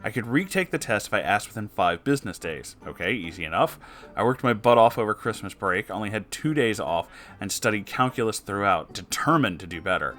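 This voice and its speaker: A man reading submitted stories aloud in a casual way, breaking in with animated, sarcastic and often sweary commentary. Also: on the low side, fairly quick. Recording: music behind the voice. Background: music.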